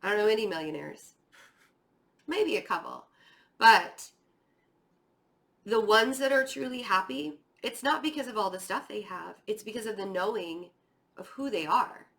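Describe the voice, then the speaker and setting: A woman's voice: mid-range voice, animated, moderate pace, gravelly, long pauses, a bit bright. A woman giving a casual, conversational tarot reading, chatty and rambling, encouraging and speaking straight to the listener, with a voice that is starting to tire. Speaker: tarot reader hosting an online reading.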